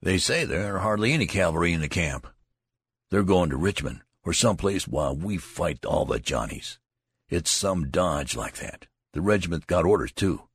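A man's voice: sits low, gravelly, slightly rough, dry recording, full character voice. A man voicing a tall, boastful young soldier who talks in a folksy, lecturing way. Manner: folksy rural talk, lecturing.

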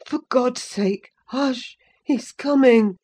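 A woman's voice: fairly high pitch, slow pace, slightly rough, voice pushed up. A woman reading a novel aloud, voicing a sickly, timid young man who speaks in fearful gasps. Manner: gasping, fearful, hushed. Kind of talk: audiobook character voice.

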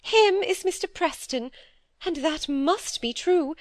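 A timid old spinster lady, as a woman narrator puts her on, her voice lifted high and quavering with worry. She pleads and frets in a fluttering rush, on the edge of tears. The sound is dry and close. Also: lively intonation, takes it slowly, no echo, exaggerated voice. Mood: fretful.

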